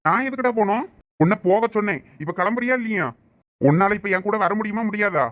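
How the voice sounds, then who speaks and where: A man's voice: high voice, lively intonation, fast talker, a bit bright, dry recording. A man voicing a loyal, hot-tempered young male friend in a cartoon, with a Thoothukudi Tamil accent. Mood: urgent. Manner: scolding, pleading with his friend. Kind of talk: cartoon voice acting.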